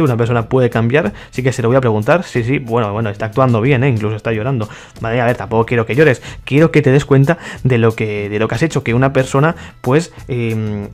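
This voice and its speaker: A man's voice: mid-range voice, darkish tone. A man giving casual, mock-exasperated commentary on his gameplay and talking to his viewers. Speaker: gaming YouTuber.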